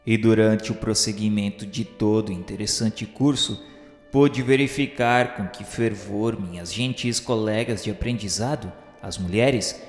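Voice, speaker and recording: Male narrator, Brazilian accent, mid-range voice, formal and solemn radio-novel reading, heavy hall reverb. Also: mid-range voice. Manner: formal, literary delivery. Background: music.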